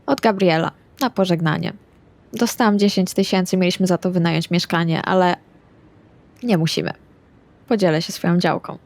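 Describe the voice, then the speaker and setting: A woman's voice: lowish voice, normal speed, a little mellow. A woman playing a tabletop roleplaying game, speaking casually and a little hesitantly in character.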